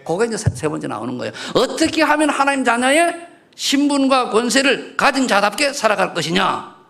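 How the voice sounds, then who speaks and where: Man, pastor, church sermon, high voice, gravelly, lively pitch, loud questions and quiet asides. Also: brisk. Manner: swings from loud rising questions to low murmured asides; asks the congregation questions and banters with them. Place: church sanctuary.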